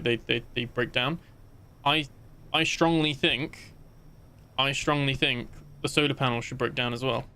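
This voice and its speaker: Bright-voiced rambling male game streamer. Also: medium pitch, vocal fry, a little hiss or hum. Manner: rambling, frequent fillers and restarts, chatting with viewers. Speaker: gaming livestreamer. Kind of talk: casual live gameplay chat.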